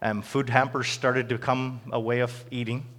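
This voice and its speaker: A middle-aged man from Northern Ireland with a Northern Irish accent gives his testimony to a church crowd. He talks in a conversational, halting way, stopping to restart his sentences. His voice sits at an ordinary pitch and rings out with a long echo in a hall. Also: flat delivery, a bit bright. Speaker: speaker giving a testimony. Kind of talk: personal testimony to a church audience.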